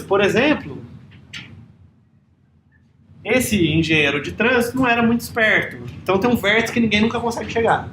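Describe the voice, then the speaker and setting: A man's voice: high-pitched, a bit bright, a little hiss or hum. A man, a university lecturer, giving a classroom lecture in a casual manner and often checking in with the students. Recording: echoey classroom recording.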